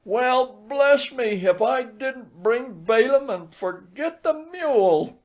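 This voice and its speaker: A man voicing a befuddled, booming old country church elder in an audiobook, exclaiming in drawn-out words. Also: animated, heavily acted. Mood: astonished.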